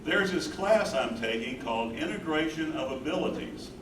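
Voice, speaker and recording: Recorded far from the mic in a noisy, roomy space, a man plays a smitten young college student in a stage drama. He is earnest, and his voice sits rather high. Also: lively intonation, moderate pace, close to an everyday voice. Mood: earnest, longing. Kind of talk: staged play reading. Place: indoor venue at a live staged reading. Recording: roomy, distant stage recording with clear noise.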